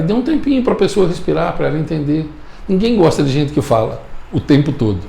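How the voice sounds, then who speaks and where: A communication coach with a Brazilian Portuguese accent gives an emphatic motivational talk, repeating his key points and often checking that listeners follow. His voice is fairly high, dark-toned and has vocal fry, with a roomy sound.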